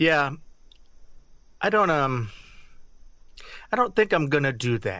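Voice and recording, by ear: On a very clean recording with a silent background, a man does a put-on character voice, fairly high and bright and sharp in tone, moving slowly with big pitch swings.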